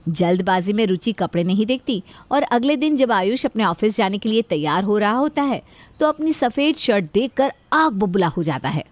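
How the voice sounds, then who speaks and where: A woman narrating a family story in a calm, scripted way. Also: mid-range voice, moderate pace, no room sound.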